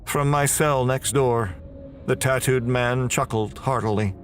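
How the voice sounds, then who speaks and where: A man playing a frightened prison inmate, giving a grim, deliberate first-person horror narration. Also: medium pitch, slight background noise, natural voice. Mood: bitter dread. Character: terrified, bewildered male prison inmate recounting horror. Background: music.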